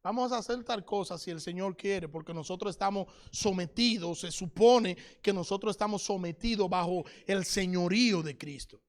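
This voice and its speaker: A man's voice: high voice, normal speed, few pauses. A middle-aged man preaching a sermon as pastor, reading scripture aloud and addressing listeners as brother.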